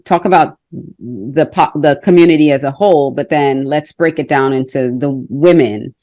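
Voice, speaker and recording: A woman from Trinidad hosting an interview, chatty and quick to laugh. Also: sits low, mellow, no room sound. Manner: chatty, laughs between phrases. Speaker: host. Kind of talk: casual interview.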